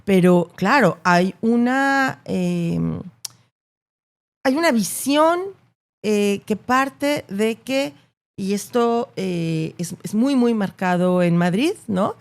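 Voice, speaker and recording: An interview guest who works as a journalist talks slowly and expressively in a medium pitch, with a Latin American Spanish accent. She builds her opinions emphatically and articulately, repeating words to hammer her points.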